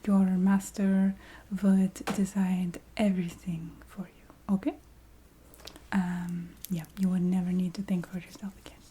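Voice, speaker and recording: Woman playing a slow, whispering vampire recruiter lady. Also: on the low side, little pitch movement, a little hiss or hum, close to an everyday voice. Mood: breezy, coaxing. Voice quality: soft, breathy whisper. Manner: hesitant, matter-of-fact, checking in with the listener. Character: chatty female vampire staffing recruiter, breezy and businesslike. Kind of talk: whispered ASMR roleplay.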